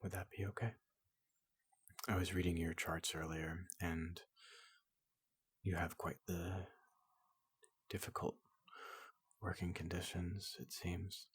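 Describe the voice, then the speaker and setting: A person softly voicing a large, gentle robot doctor in an ASMR roleplay, often whispering, speaking slowly and haltingly to reassure a patient. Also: sits low, flat delivery, breathy edge, no room sound. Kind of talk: soft-spoken ASMR roleplay.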